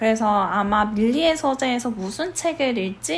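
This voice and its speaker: This is an unremarkable speaking voice at a fairly slow pace. The intonation is lively. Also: woman. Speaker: book youtuber. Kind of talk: casual book review chat.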